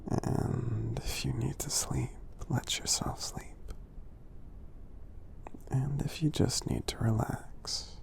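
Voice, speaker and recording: A man voicing a friendly, gentle giant in an ASMR roleplay, tender and encouraging, in a breathy, gravelly whisper with slow, soothing, halting delivery. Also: mid-range voice, steady tone. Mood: relaxed, soothing. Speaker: ASMR performer.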